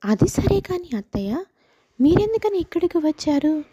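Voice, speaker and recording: Woman as a high-voiced, pleading young daughter-in-law, mellow tone, dull lo-fi sound. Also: very animated, normal speed. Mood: gentle. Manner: pleading, tearful.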